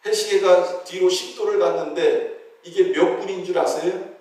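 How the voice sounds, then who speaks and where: A man preaching a lively sermon with a high voice. He asks questions of the congregation and answers them, and he briefly voices the figures of a Bible story. He is recorded from a distance in a church hall with heavy echo. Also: normal speed. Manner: acts out the voices of biblical figures in dialogue. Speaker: pastor. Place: church sanctuary. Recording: very echoey hall, heard from a distance.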